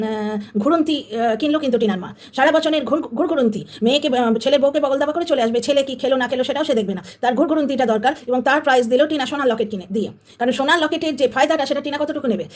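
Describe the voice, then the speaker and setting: A woman hosting a commentary channel, delivering a combative, sarcastic monologue that speaks straight to her viewers. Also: high-pitched.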